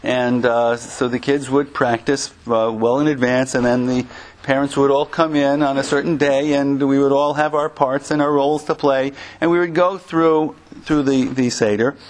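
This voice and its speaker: An American man from Connecticut giving an informal religious lecture as a Jewish teacher, conversational and halting, with humorous asides. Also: medium pitch, steady tone. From Connecticut, United States.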